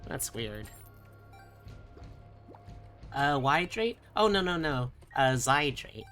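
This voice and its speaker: A woman live streamer chatting casually with her viewers, rambling and thinking aloud in a halting way. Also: a bass voice, sing-song, fairly bright tone, soft background music. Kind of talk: casual chat with livestream viewers.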